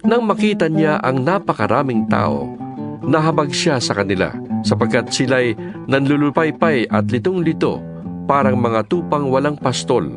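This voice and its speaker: A man's voice: mid-range voice, lively intonation, normal speed, over loud music. A man narrating scripture as a scripted, dramatized storytelling reading.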